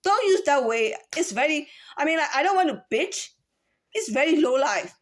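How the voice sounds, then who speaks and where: A woman's voice: sits high, lively intonation, normal speed. A woman from Myanmar in a casual, rambling monologue to camera, full of rhetorical questions and restarts. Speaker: vlogger.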